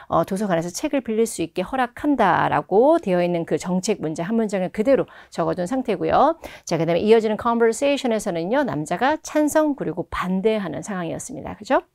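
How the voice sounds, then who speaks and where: A woman giving a TOEFL speaking lesson, talking straight to her students and slowing down to model English phrases. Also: mid-range voice, darkish tone, no room sound, clean studio sound. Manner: instructive, addresses students directly with frequent "자". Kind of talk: online test-prep lecture.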